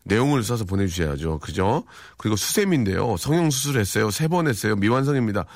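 A man's voice: fairly low pitch, big pitch swings, quick pace, dry recording. Man, radio host, playful, rambling, bouncy intonation, dry studio sound. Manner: playful, rambling, with many fillers. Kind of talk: casual radio chat reading listener texts.

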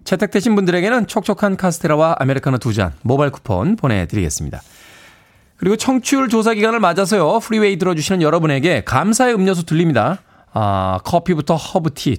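A man hosting a morning radio show, talking with a bright, playful delivery. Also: on the high side. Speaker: radio DJ host.

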